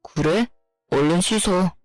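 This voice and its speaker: A woman's voice: on the low side, slow, no room sound, faint music behind, pitched below the performer's own voice. A woman voicing a selfish, dismissive husband who brushes off complaints, in a storytelling narration. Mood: offhand. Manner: offhand, dismissive.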